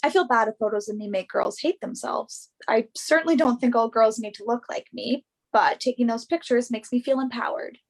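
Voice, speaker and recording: Young female model, acted by a woman, play reading: highish voice, earnest, self-assured, assertive. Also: fairly quick, hardly any pauses. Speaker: actor in a virtual staged reading.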